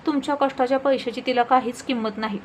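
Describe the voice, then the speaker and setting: A woman's voice: high voice, steady tone, fast talker, a little hiss or hum, natural voice. A woman voicing a scheming second wife who talks in a sly, needling, sugary way in a storybook reading.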